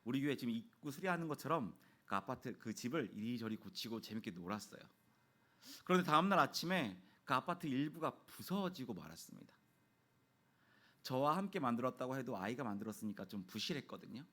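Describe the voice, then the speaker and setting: In a church sanctuary, a man in his thirties, a pastor, delivers a midweek sermon in an expressive, fairly quick, slightly bright voice. He tells stories and acts out the quoted dialogue by raising his pitch.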